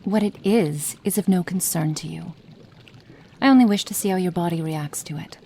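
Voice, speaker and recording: A woman voicing a cold, impatient female witch experimenter in an ASMR roleplay, speaking softly and partly in whispers, haughty and condescending. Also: lowish voice, moderate pace, a little hiss or hum, lightly acted. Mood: commanding. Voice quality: soft, partly whispered delivery.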